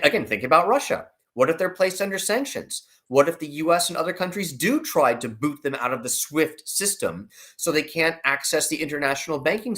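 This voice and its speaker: A man's voice: a little high, a bit bright. A man speaking as an analyst guest, explaining things emphatically in conversational commentary and posing rhetorical questions.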